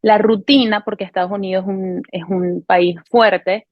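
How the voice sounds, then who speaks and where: A woman in her thirties from Venezuela gives a personal faith testimony to camera, in an earnest, unhurried way with frequent hesitations and self-corrections. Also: medium pitch, fairly even intonation, dry recording, lo-fi sound. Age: 30s. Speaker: testimony speaker. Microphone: camera recording.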